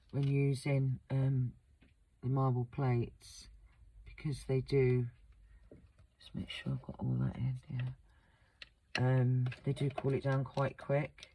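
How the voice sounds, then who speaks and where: A woman with a croaky voice from a sore throat, chatting casually with lots of ums as she demonstrates a crafting project on her channel. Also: extremely low pitch, low-quality recording. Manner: relaxed, chatty, many ums.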